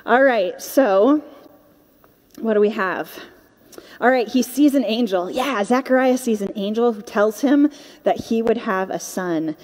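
A woman's voice: fairly high pitch, unhurried, a little mellow. Young woman preaching in a reverberant hall. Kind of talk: conversational sermon with scripture reading. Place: indoor stage with curtain backdrop.

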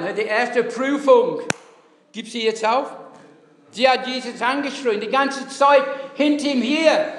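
A man's voice: high voice, a bit bright, slight background noise. A man preaching a sermon in a church, emphatic and repeating his key phrases. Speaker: pastor. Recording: echoey church hall.

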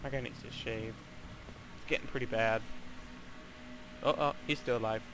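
A man's voice: mid-range voice, fairly even intonation, moderate pace. A man giving casual, offhand, wisecracking let's play commentary over a video game. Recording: game noise behind. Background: video game sound.

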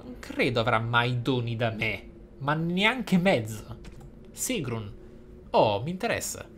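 A man's voice: mid-range voice, sing-song, takes it slowly, a bit bright, a little hiss or hum. A man, a gaming host reading in-game text aloud expressively, with casual, playful asides.

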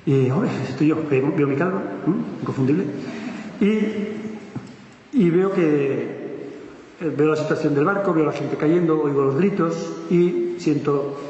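A man's voice: on the high side, highs cut off. Spanish man telling a story in an echoey hall. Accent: Spain Spanish. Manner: lively narrator who acts out the quoted voices, with many fillers and restarts. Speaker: speaker telling a story to an audience. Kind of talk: animated storytelling talk. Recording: echoey hall with faint noise.

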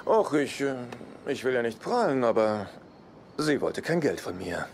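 Sitcom dub: exasperated hapless man, animated sarcastic delivery, heavy noise behind. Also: medium pitch, measured pace, gravelly. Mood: sarcastic, indignant. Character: exasperated, hapless divorced brother, middle-aged man. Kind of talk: German-dubbed sitcom acting. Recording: very noisy sitcom soundtrack.

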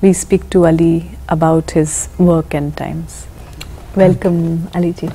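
Mellow-voiced woman interviewer. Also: low voice, little pitch movement, slight background noise, rough recording. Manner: measured introductions, brief prompts. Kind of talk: studio interview. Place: television studio. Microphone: lapel.

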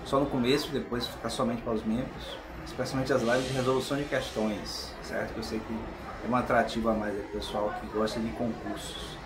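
A man's voice: mid-range voice, flat delivery, a little fast. Brazilian guy explaining a text casually, keeps adding tag questions, echoey room w noise behind him. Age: middle-aged. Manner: conversational, often checking in with tag questions. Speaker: channel host and philosophy explainer. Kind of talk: informal video lecture with commentary on a text. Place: small tiled room, indoors.

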